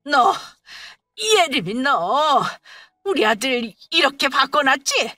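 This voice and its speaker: A woman putting on a shrill, bossy older mother-in-law who nags and guilt-trips without letup, her bright, raised voice cutting through a dry, close recording. Faint music plays beneath this storybook scene. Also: sing-song, slow, no echo, exaggerated voice. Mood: furious. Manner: shrill, scolding and guilt-tripping.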